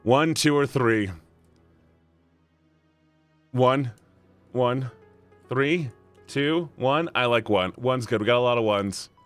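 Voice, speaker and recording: A man streaming as he voices a visual novel, joking excitedly and asking his chat for ideas. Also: medium pitch, takes it slowly, long pauses, soft background music. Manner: excitable, jokey, asks chat for input.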